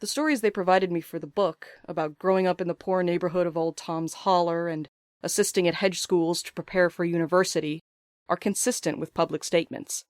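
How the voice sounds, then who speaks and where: A woman acting in an audio drama as a wry, articulate character, speaking in a dry, measured way. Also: fairly low pitch, fairly even intonation, no room sound, lightly acted. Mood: confiding, uneasy. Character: wry, blunt postal worker, also a reflective letter-writing ghostwriter. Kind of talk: audio drama dialogue and monologue.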